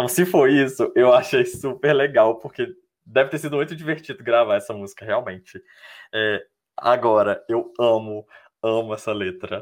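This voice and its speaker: This man has a plain, everyday voice, medium in pitch with ordinary variation, at a moderate pace. The recording is very clean, with a silent background. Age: 20s. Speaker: journalist and pop culture commentator. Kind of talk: casual chat.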